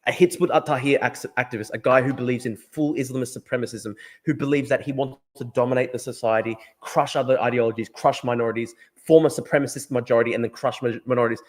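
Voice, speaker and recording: A rapid-fire man with a mid-range voice, hosting an opinionated podcast. He hammers his points home and circles back to repeat them, peppering his talk with "like" and "right?". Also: medium pitch. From Australia. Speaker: podcast host.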